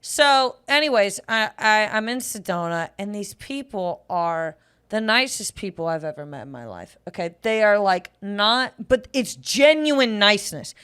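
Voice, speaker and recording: A woman co-hosting a comedy podcast, her voice a little raspy from losing it, rambling through stories and laughing often. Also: mid-range voice, lively intonation, a little slow, fairly bright tone. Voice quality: slightly raspy from a lost voice. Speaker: podcast co-host. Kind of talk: casual comedy chat.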